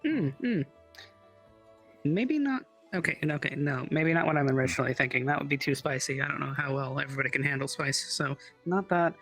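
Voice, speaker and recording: A roleplay voice at a middle pitch, musing aloud about what to cook. The delivery is hesitant and full of pauses, with faint music behind. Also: lively intonation, fairly bright tone. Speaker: roleplay player as town cook. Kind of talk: casual in-character roleplay chat.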